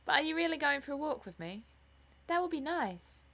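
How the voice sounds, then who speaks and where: A woman's voice: sits high, sing-song, brisk, creaky, bright, forceful tone, voice pushed up, heavily acted. A woman voicing an ardent, dreamy young actress in love in an audiobook, with gushing exclamations. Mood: playful, delighted. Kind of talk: audiobook character voice.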